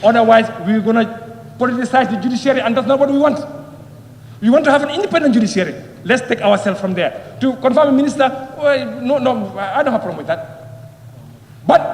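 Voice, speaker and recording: A man's voice: very high-pitched, a little mellow, a little hiss or hum. A man giving an impassioned parliamentary speech, repeating phrases and firing rhetorical questions. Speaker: member of parliament. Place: parliament chamber. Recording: echoey hall with long reverb.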